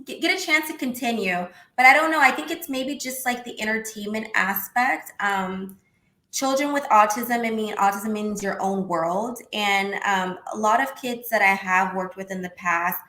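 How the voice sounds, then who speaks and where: A woman in her thirties with a high-pitched voice, talking in a casual, outspoken way as a guest on a video call interview. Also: measured pace. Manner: animated, outspoken, swears casually. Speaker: interview guest, former wrestler. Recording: echoey room.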